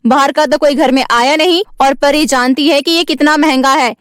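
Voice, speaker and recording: A haughty rich wife, put on by a woman narrator, speaks in a high voice with scorn and bossy spite. It is a cartoon villainess aunt, recorded dry and close. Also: steady tone, moderate pace, dry recording, close to an everyday voice. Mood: accusing.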